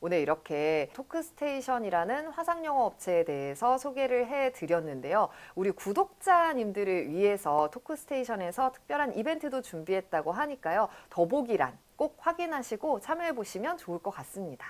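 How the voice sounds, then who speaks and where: Woman host, smooth announcer-style talk, pretty lively pitch. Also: a little fast, few pauses. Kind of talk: interview, scripted product intro.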